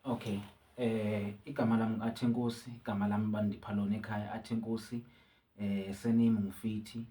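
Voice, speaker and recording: Relaxed South African man, halting speech. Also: on the low side, slight background noise. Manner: relaxed, halting with many restarts. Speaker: musician guest. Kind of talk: casual interview, code-switching.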